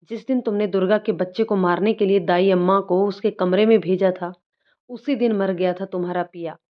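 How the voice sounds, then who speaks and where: A woman reading a furious shouting husband. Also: medium pitch, steady tone, moderate pace, natural voice. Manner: shouting, harsh and commanding. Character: angry grown man, husband turned furious. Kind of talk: storybook reading. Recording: dull lo-fi recording.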